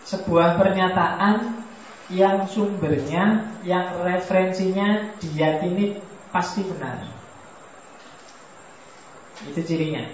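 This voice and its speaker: A man giving a relaxed religious study lecture in a mosque hall, joking and putting questions to his audience. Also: high-pitched, slight background noise. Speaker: philosophy lecturer. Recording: echoey hall, distant mic, muffled.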